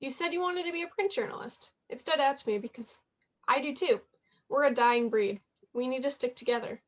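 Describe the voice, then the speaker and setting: A woman's voice: sits high, brisk. A woman playing a playful, persistent eighteen-year-old journalism student in a play reading, chatty and probing. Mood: concerned, friendly. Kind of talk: staged reading of a play, naturalistic dialogue.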